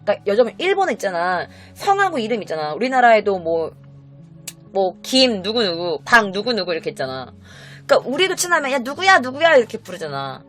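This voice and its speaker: A woman host recounts a true-crime case in casual, chatty storytelling. Her voice is high and swings widely as she addresses viewers. Faint music plays underneath. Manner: animated, acts out quotes, addresses viewers.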